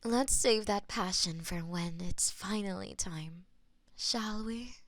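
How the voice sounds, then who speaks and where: A woman voicing a possessive, lovestruck goddess of death in a romantic audio roleplay, murmuring intimately and slipping into breathy whispers. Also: medium pitch, takes it slowly, no echo. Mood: intimate, longing.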